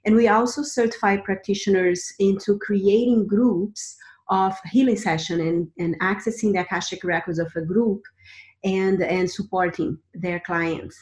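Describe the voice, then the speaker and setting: A woman's voice: medium pitch, steady tone, measured pace, darkish tone, roomy sound. A middle-aged woman from Brazil, a guest telling her personal story in an earnest way, often restarting and repeating words. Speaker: guest, Akashic Records teacher.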